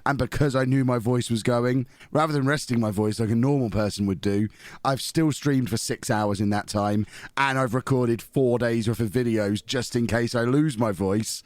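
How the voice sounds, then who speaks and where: A man hosting a casual podcast, his voice hoarse and nearly gone, teasing his co-hosts cheekily. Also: medium pitch, moderate pace, dry recording. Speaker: podcast host. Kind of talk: casual chat.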